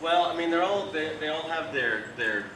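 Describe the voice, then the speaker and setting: A man's voice: fairly high pitch, expressive, moderate pace. A man, a voice director, answering questions on a convention panel in a rambling way full of fillers. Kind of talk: casual panel talk. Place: large convention panel room. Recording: echoey convention hall from far off. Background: crowd noise.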